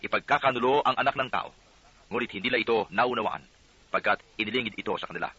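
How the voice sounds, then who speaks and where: A man reading the words of Jesus as a calm, authoritative teacher with a solemn cadence. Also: medium pitch, fast talker, breathy edge, dry recording. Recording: dull lo-fi audio.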